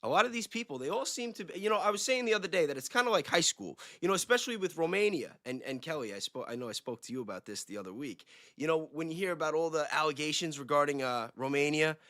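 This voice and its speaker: A man's voice: fairly high pitch, lively intonation, fast, bright, forceful tone, dry recording, studio quality. A man talking casually and informally on a livestream, using slang as he speculates. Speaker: livestream guest, self-described independent investigator.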